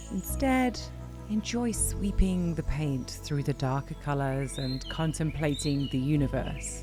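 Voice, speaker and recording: With music in the background, a woman talks in a calm, soothing tone at a fairly slow pace. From Britain. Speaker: painter and astrophotographer. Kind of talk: relaxing painting tutorial narration. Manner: calm, soothing, gentle.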